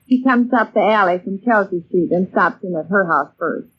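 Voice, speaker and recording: A woman's voice: medium pitch, normal speed, close to an everyday voice. An American actress playing a bustling, mildly exasperated middle-aged housewife and mother in an old-time radio comedy serial, chatty and folksy. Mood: brisk, instructing. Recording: muffled, noisy old radio recording.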